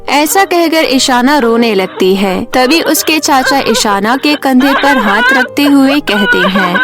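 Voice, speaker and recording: Woman narrator, high voice, scripted cartoon storytelling, faint background music. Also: very animated, takes it slowly.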